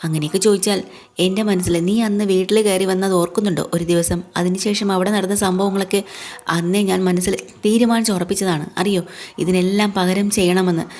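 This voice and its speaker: A woman's voice: medium pitch, steady tone, fairly quick, a little mellow, natural voice. A woman reading a defiant young wife.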